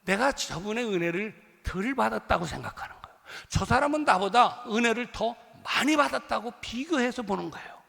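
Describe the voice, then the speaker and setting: A male pastor preaching a sermon in a church, telling the story with animated swings from hushed to loud, with a long hall reverb. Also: high-pitched, moderate pace, creaky, hardly any pauses. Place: church sanctuary.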